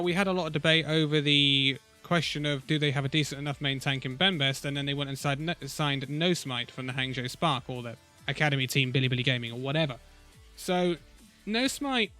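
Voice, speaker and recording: A man who is a little ill and losing his voice gives an opinionated, conversational esports roundup with pauses. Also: on the high side, sharp tone, faint music behind. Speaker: esports video host. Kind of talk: casual esports commentary vlog.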